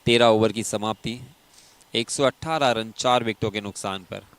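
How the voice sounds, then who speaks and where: A man's voice: lowish voice, normal speed, a bit bright, no echo. A man with an Indian accent gives live ball-by-ball cricket commentary, explaining play and repeating key phrases for emphasis.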